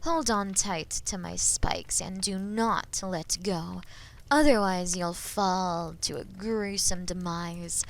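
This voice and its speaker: A woman voicing a haughty, menacing female dragon in a fantasy audio roleplay, imperious and possessive, with deliberate delivery and breathy phrase endings. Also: fairly low pitch, poor audio. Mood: commanding. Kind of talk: slow, dramatic roleplay audio acting.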